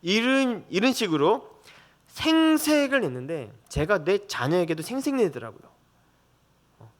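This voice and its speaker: A man's voice: high voice, sing-song, unhurried. A middle-aged man preaching a conversational sermon as a pastor, telling family stories and acting out voices.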